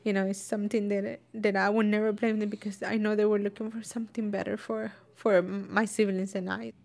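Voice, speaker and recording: A woman in a heartfelt conversation, speaking softly and reflectively, sometimes dropping to a near whisper. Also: medium pitch, level tone, fairly quick, vocal fry. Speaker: interview participant.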